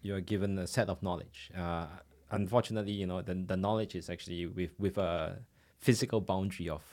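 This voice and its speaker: A man's voice: low-pitched, steady tone, a little fast, a little mellow. A man from Singapore, a podcast guest, talking hesitantly with many fillers. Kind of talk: conversational interview.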